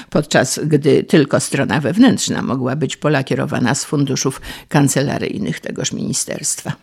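A man narrating a humorous story in an audiobook, measured and wry. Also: fairly high pitch, creaky, darkish tone, slightly rough.

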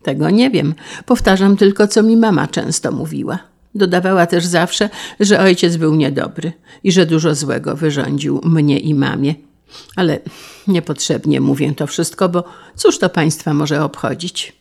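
A shy orphaned schoolboy, as an audiobook reader plays him, hesitant and earnest, at times stammering. The voice sits slightly higher than the plain narration and keeps a gravelly texture. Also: moderate pace, darkish tone. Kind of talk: audiobook character reading.

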